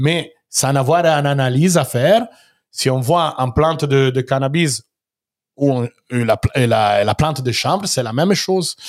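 With an Italian accent, a man talks at a fairly slow pace and a fairly high pitch. His pitch varies in an ordinary way, on a very clean recording with a silent background. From Italy (Genoa). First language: Italian (speaking French). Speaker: journalist, magazine director. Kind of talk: interview. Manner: halting.

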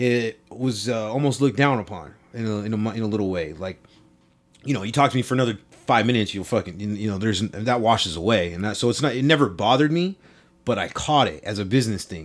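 With a Southern California accent, a man of medium pitch talks at a very fast pace with ordinary pitch variation. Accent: Southern Californian English. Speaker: apparel brand founder and filmmaker. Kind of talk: casual interview conversation.

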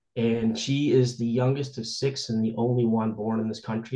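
A man with an American accent speaks at a fairly quick pace. His medium-pitched voice stays monotone and flat. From Chicago, South Side. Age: 50s. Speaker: podcast guest, former coworker of the hosts. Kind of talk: casual chat.

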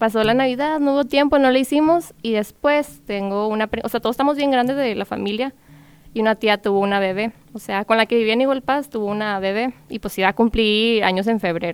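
Recorded very cleanly against a silent background, with a dry, close sound and no echo, a woman with a normal speaking voice talks at a fairly quick pace in a fairly high pitch, with ordinary pitch variation. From northern Mexico, Piedras Negras, Coahuila. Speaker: piñata maker and small business owner. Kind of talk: casual interview.

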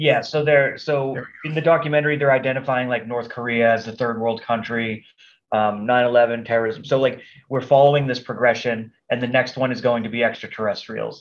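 A man with a plain, everyday voice and a medium pitch speaks at a fairly quick pace with fairly even intonation. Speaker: podcast guest. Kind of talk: casual roundtable chat. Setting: video call. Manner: casual, profane.

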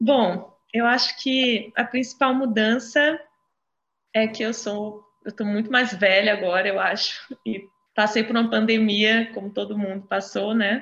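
In a plain, everyday voice, the speaker goes at a fairly slow pace with fairly even intonation. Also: woman, fairly high pitch for a woman. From Bahia, Brazil. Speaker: singer-songwriter. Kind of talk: interview.

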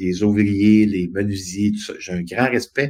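Recorded very cleanly against a silent background, a man speaks at medium pitch with ordinary pitch variation. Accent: Quebec. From Quebec. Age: 50s. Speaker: motivational speaker. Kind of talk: casual interview chat.

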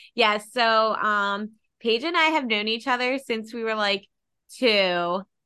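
Against a quiet background, a woman speaks very slowly in a Philadelphia accent. Her voice is fairly high, bright and sharp, with ordinary pitch variation. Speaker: podcast host. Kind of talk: casual chat. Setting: video call.

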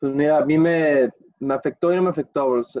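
A man speaks at a fairly quick pace in an ordinary speaking voice, with fairly even intonation and a dry, close sound with no echo. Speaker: competitive swimmer. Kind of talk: casual chat.

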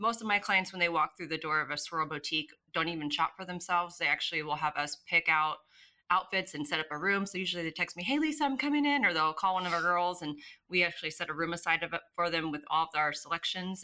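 A woman's fairly low voice with a bright, sharp tone, very fast pace and ordinary pitch variation, on a very clean recording with a silent background. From US West Coast, San Diego area. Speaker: boutique owner. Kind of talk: casual chat. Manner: animated.

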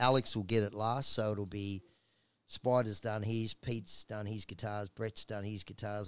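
A man with an Australian accent speaks in a fairly low, flat monotone on a very clean recording with a silent background. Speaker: rock singer. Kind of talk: casual chat.

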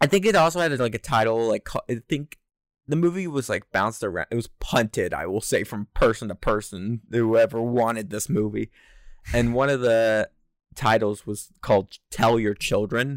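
Lively intonation comes at a moderate pace on a very clean recording with a silent background and a dry, close sound with no echo. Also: man, medium pitch for a man. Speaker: podcast host. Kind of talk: casual chat. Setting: studio. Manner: not soft-spoken.

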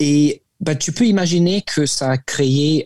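Somewhat breathy, a man's fairly high voice has a dark, mellow tone. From Louisiana, US. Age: 50s. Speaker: cultural advocate, tourism professional. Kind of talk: interview.

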